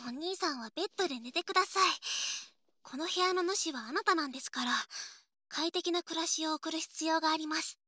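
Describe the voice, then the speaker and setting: A woman's voice: very high voice, fairly quick, pushed and bright, no echo. A woman voicing a prim, stubborn and easily flustered young woman in an intimate audio drama, speaking politely and formally with hesitant scolding. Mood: firm, indignant. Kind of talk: Japanese audio drama, intimate role-play to listener.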